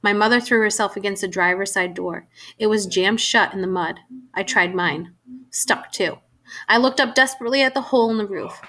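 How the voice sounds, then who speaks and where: A woman narrating a novel in the first person, steady and vivid. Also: medium pitch, brisk. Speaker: audiobook narrator.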